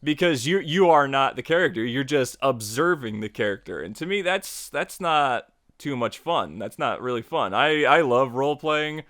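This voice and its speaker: A man's voice: medium pitch, animated, moderate pace, few pauses, a bit bright, no echo, studio quality. A man hosting a casual video lesson, chatty and enthusiastic, often restarting phrases and saying "you know". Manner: chatty, repeats words, lots of "you know". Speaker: online tutorial host.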